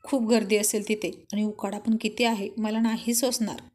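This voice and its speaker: A woman voicing a shy but quick-witted young wife who banters playfully with her husband. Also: medium pitch, fairly even intonation, a little mellow, natural voice. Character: shy, witty young wife, easily flustered.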